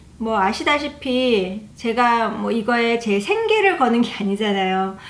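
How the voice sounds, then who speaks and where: A woman at a fairly high pitch and fairly slow pace, with ordinary pitch variation, audible room echo, and noticeable background noise. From South Korea. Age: 40s. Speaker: beauty YouTuber. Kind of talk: casual chat. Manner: conversational, chatty.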